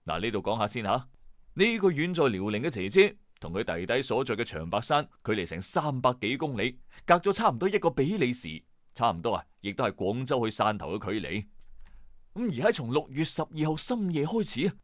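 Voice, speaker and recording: A man's voice: medium pitch, big pitch swings, a little fast, no echo, studio quality. A man with a Hong Kong Cantonese accent hosting and narrating a scripted true-crime mystery in a suspenseful, conversational storytelling manner. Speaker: storyteller host of a mystery channel.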